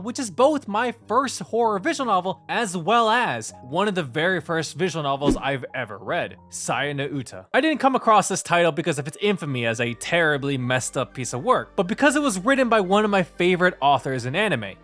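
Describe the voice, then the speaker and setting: A man's voice: on the high side, fairly bright tone. A man narrating a scripted review in an opinionated, conversational way with casual asides. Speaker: video reviewer. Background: background music.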